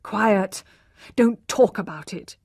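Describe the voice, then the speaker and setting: A woman's voice: medium pitch, takes it slowly, no room sound, studio quality. A woman reading a stern, reproachful young husband. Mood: firm. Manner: forceful and reproachful. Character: stern, logical young husband, hard-hearted.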